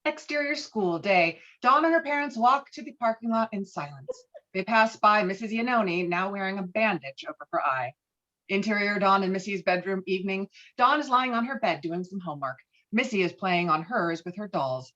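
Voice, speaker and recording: Female stage-directions reader: mid-pitched, animated, scripted delivery, slightly dull recording. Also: moderate pace. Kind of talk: scripted narration of a screenplay.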